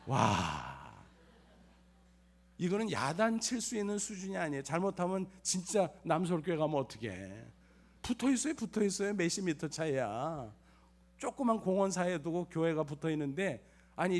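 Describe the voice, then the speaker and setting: A man in his fifties, a pastor telling a personal family story in a sermon with emphatic repetitions and acted dialogue. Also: fairly high pitch. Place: church sanctuary.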